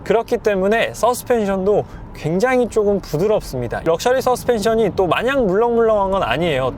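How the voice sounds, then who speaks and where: A man reviewing a car as he drives, explaining things in a measured, polite way with a slightly hoarse, clogged throat. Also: high-pitched. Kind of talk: car review commentary while driving. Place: inside a moving car. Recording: clear vehicle and road noise. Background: car driving noise.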